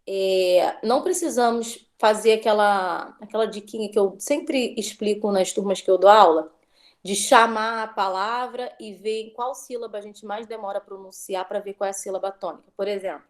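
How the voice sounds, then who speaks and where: A woman teacher giving an online class, patiently drawing out words as she drills syllables. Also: on the high side.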